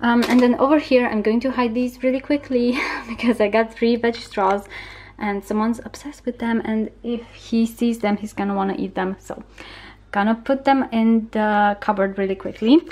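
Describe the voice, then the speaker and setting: Chatty young woman with a higher voice. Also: fairly even intonation, normal speed, darkish tone. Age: young adult. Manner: chatty and informal, small laughs between remarks. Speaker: vlogger. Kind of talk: casual chatty grocery haul vlog. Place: home kitchen, indoors.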